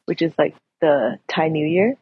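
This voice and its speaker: Husky-voiced woman, chatty and laughing. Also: sits low, unhurried, dry recording, highs cut off. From United States. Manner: laughs often, chatty storytelling. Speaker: podcast guest. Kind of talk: casual chat.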